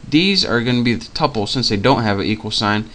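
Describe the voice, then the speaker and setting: A man's voice: mid-range voice, animated, brisk, a bit bright. Chatty man explaining code. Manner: loose and chatty, with fillers and self-corrections. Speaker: programming tutor. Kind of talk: casual screencast tutorial.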